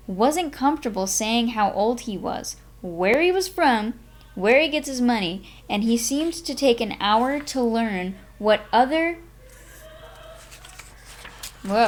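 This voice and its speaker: A woman hosting a live stream, speaking in an expressive, unhurried way with dramatic, drawn-out phrasing. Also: a little high. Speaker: host of a live reading stream. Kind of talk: expressive audiobook-style reading and casual stream chat.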